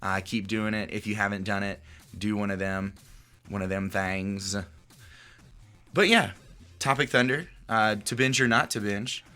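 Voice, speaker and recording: A man's voice: fairly low pitch, a little slow, pushed and bright, smooth, soft background music. A man hosting a podcast in a loose, casual chat, with fillers and restarts. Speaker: podcast host.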